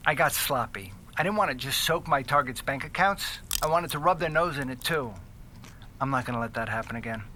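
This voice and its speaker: Bright, sharp-voiced wry ex-con hacker played by a man. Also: medium pitch, animated, fairly quick, slight background noise. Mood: cautious. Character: street-wise hacker ex-convict man, thirties, dry and guarded. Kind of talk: audio drama acting. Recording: music behind the voice.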